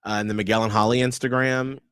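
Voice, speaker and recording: A man's voice: on the low side, fairly quick, smooth, no room sound, clean studio sound. A man in his thirties co-hosting a radio show, chatting playfully and teasing his co-host. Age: 30s. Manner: playful, teasing, lively delivery. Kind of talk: casual chat.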